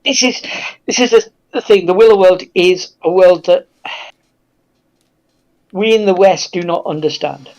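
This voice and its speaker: A man speaking in a halting, reflective way as a guest in a casual discussion. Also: high-pitched, darkish tone, lo-fi sound.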